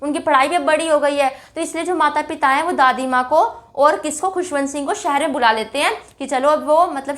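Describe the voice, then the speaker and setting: A young woman with a high, bright voice teaches an English chapter in Hindi. She talks in a chatty way, keeps checking in with her students, and reads English lines slowly before explaining them. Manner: chatty, calls students "bhai", keeps checking with "theek hai".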